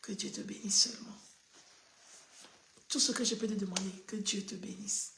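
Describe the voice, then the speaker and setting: A woman pastor preaching a personal sermon, moving from hushed confiding to excited high exclamations and repeating phrases for emphasis. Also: normal speed, noisy background. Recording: echoey room.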